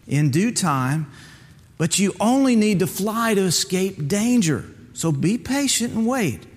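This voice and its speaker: A man reading aloud takes on the role of a stern old male turkey mentor who earnestly lays down rules in a preachy tone. His slightly high, slightly rough voice is very animated and heavily acted at a measured pace. A long, hall-like reverb trails it.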